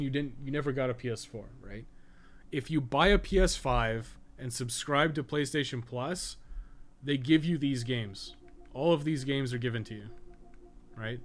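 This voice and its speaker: A man giving casual, rambling livestream commentary while he plays a game, blunt and slangy with some swearing. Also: medium pitch. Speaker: game livestreamer and podcast co-host.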